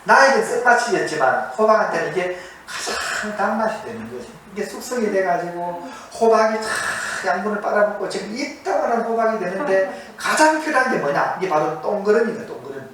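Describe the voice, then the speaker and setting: Male monastic preacher, high voice, animated pitch, asks the audience questions, repeats key words. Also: brisk, few pauses. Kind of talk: sermon lecture to an audience. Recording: very echoey, distant mic, faint noise.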